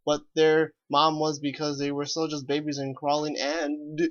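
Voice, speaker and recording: A man's voice: on the high side, monotone, normal speed, muffled recording. A man reading fan fiction aloud as a co-reader, casually joking about it as he goes.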